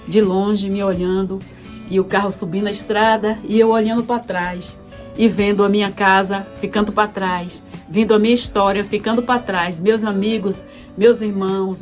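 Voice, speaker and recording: A woman from Bahia with a Bahian accent, telling her own life story in a reflective, emotional vlog. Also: a little high. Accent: Bahian Portuguese. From Bahia, Brazil. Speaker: vlogger. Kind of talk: personal storytelling.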